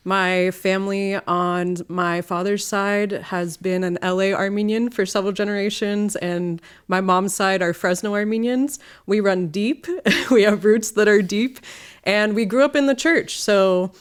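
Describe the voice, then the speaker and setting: Woman from LA guesting in a studio interview, smooth clear voice, warm, keeps saying right?. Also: mid-range voice, steady tone, a little slow. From Los Angeles, United States. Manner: warm, engaged, often adds "right?". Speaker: guest, community organizer. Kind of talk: conversational interview.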